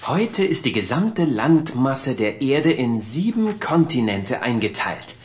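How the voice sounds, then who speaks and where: A woman's voice: a bass voice, very animated, slow pace, darkish tone, full character voice. A woman voicing an earnest, bookish boy explorer who lectures with matter-of-fact confidence. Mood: lecturing. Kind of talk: children's cartoon voice acting.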